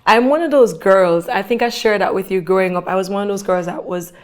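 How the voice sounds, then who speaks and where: A woman's voice: medium pitch, fairly quick. A woman being interviewed who tells her story in an earnest, faith-filled way. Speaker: guest. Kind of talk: conversational interview.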